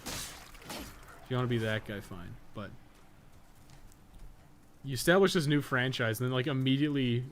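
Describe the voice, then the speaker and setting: A man with a mid-pitched voice talks over clearly audible background noise. He is streaming a game and rambles casually, blunt and opinionated, with plenty of swearing. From North America. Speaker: game streamer and podcast co-host. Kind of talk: casual livestream chat while playing a game.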